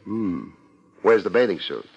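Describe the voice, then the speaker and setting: An actor playing a wry, laid-back American private detective in a 1950s radio drama, dry and unhurried. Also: male voice, deep voice, very animated, gravelly, breathy edge, full character voice. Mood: wry, interested. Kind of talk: 1950s radio drama acting with first-person narration. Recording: muffled old 1950s radio broadcast.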